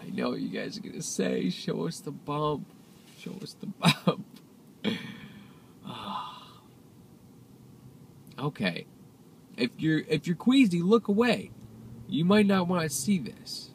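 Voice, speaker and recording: A man's voice: on the high side, gravelly. A young man with a nasal, congested voice from a cold, chatting casually and rambling while filming himself in his car. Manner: rambling, chatty, self-deprecating. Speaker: vlogger. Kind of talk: casual driving vlog. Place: inside a moving car. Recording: loud road and engine noise.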